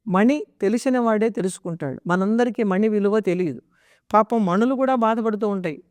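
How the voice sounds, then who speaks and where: A woman giving a devotional discourse, explaining scripture and telling stories in an unhurried, explanatory way into a close microphone. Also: mid-range voice, no echo. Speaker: devotional speaker. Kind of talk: religious discourse with storytelling.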